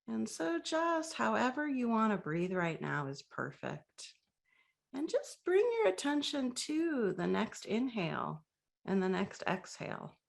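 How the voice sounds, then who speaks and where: Slow, gravelly-voiced woman guiding meditation. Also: a little high, very animated. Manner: slow, soft, gently inviting with long pauses. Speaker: meditation guide. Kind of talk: guided meditation.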